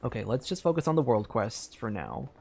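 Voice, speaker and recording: A man's voice: medium pitch, very animated, fairly quick, creaky, a little mellow, slight background noise. A man chatting casually as a game streamer, explaining things in a hesitant, rambling way full of fillers. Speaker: streamer playing a game and voicing its dialogue. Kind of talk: casual livestream chat. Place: room at home.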